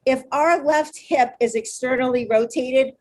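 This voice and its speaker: Over a video call, a yoga instructor leads a live online class, cueing each pose step by step in a loud, encouraging, chatty manner. Her voice is high and her pace measured.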